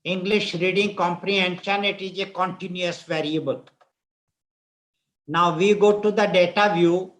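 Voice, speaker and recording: A man with a North Indian accent teaches a class online in a fairly high voice. He is deliberate in his explanations and often repeats a phrase before moving on. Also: steady tone, fairly bright tone. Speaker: instructor. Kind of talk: live online statistics lecture.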